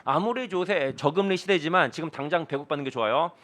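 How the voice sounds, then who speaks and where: A man's voice: fairly high pitch, fast, fairly bright tone. A man in his thirties teaching an online accounting lecture, playful and jokey, acting out little quoted scenes. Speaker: accounting instructor.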